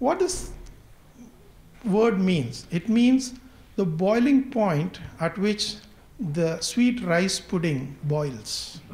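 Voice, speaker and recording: Someone speaks with a Tamil accent at a very slow pace, leaving long, frequent pauses. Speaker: embassy official introducing a cultural event. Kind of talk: speech to an audience. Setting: embassy hall with audience. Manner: hesitant, many fillers.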